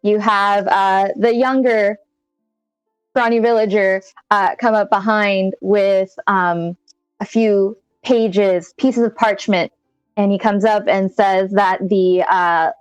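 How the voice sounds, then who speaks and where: A woman narrating a tabletop role-playing game as game master, improvising in a halting way. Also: mid-range voice, fairly even intonation, clean tone, no room sound, lo-fi sound, faint music behind.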